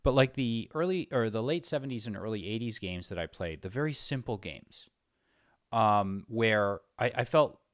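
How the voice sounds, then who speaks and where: A man's voice: fairly low pitch, animated, moderate pace, no echo. Man, casual interviewer, hesitant, rambling, self-correcting, dry recording. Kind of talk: casual conversation.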